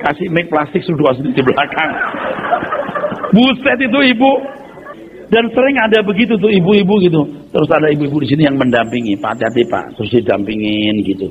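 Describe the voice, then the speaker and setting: Blunt, mocking pastor. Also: male voice, fairly high pitch, a little fast. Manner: blunt, animated, mocking, slangy. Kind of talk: informal sermon. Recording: tinny phone-like sound, faint noise.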